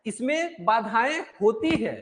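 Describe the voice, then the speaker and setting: A man's voice: extremely high pitch, lively intonation, slow pace. A man teaching an online exam-prep class, explaining step by step, asking questions and answering them himself, with mixed into his talk.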